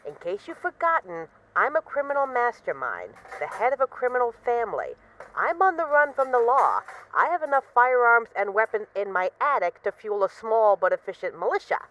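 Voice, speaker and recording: A woman acts out a female crime boss with a lively, swooping delivery. She is wry and boastful, teasing her partner fondly as in an intimate audio roleplay, and the sound is slightly dull. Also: mid-range voice. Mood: mock-proud. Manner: wry, boastful, teasing, mock-indignant, swearing casually. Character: witty, self-assured female mafia boss, bored, affectionately teasing her partner.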